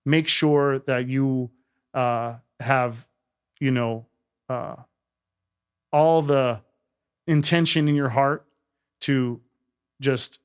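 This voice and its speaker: A man's voice: mid-range voice, fairly even intonation, very slow, pauses often, clean tone. A man hosting a casual podcast conversation who speaks earnestly, often hesitates with fillers, and answers with short affirmations. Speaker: podcast host.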